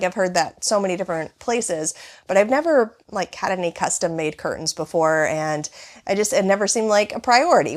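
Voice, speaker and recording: A woman in her thirties with a hoarse, raspy voice from bronchitis, chatting casually as she tours her small living room. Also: lowish voice. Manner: chatty, rambling with many "like" fillers. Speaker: home vlogger. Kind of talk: casual home tour vlog.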